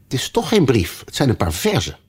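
A man's voice: mid-range voice, wildly swooping pitch, brisk, husky, voice pushed up, full character voice. A man voicing a nervous, overly polite white rabbit herald in a storybook reading. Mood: flustered.

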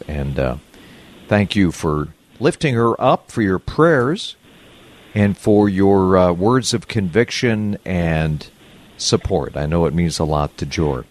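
Male radio host, casual and halting, voice goes way up and down. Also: deep voice.

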